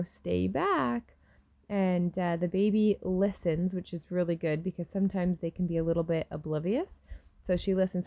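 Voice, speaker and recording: A young woman narrating her own horse-training footage in a relaxed, explanatory way, with fillers and restarts. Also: on the low side. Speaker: horse trainer and channel host. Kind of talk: casual voice-over narration of farm footage.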